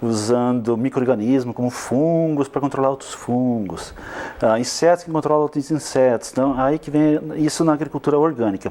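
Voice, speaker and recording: A man with a Santa Catarina accent at a medium pitch and a moderate pace, with ordinary pitch variation and noticeable background noise. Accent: Santa Catarina (catarinense). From Santa Catarina, Brazil. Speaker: agronomy professor. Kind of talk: interview. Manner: halting, many fillers.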